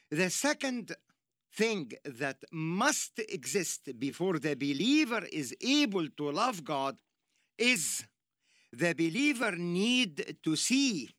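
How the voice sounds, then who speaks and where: Egyptian accent guy preaching, high voice, dry close sound, earnest and emphatic. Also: fairly bright tone, no room sound. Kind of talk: sermon.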